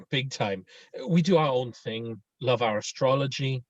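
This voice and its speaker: In a table read over a dull, lo-fi video call, a man lightly acts the part of a young Swedish man who is earnest, sensitive, friendly and mock-menacing. His medium-pitched delivery is measured and hesitant as he searches for words, in a chatty, friendly mood with no room sound.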